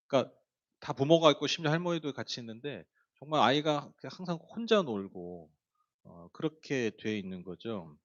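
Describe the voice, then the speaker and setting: A man's voice: medium pitch, animated, moderate pace, lo-fi sound. A man preaching a sermon, telling a story in a chatty way with many fillers and speaking directly to the congregation. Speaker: pastor.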